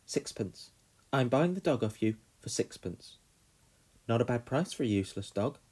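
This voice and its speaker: A man playing a calm, shrewd mother who talks softly and reasons sweetly. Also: medium pitch, rapid-fire, voice pushed up, natural voice. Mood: calmly shrewd.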